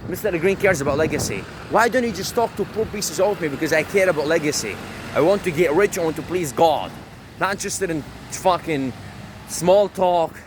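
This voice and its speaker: A man's voice: fairly high pitch, animated, moderate pace, noisy background. Brash, profane Arab man rambling outdoors. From Syria. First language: Arabic. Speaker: vlogger. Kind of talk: rambling self-talk monologue.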